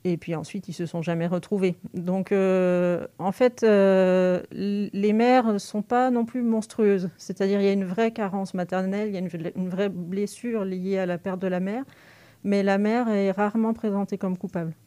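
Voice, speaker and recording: A woman university lecturer answering radio interview questions thoughtfully, pausing often with fillers as she thinks. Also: medium pitch, steady tone, dark tone. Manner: thoughtful, hesitant with frequent fillers.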